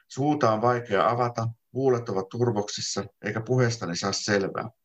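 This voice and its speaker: A man reading his own literary text aloud in a calm, measured first-person narration. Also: on the low side. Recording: dull lo-fi sound.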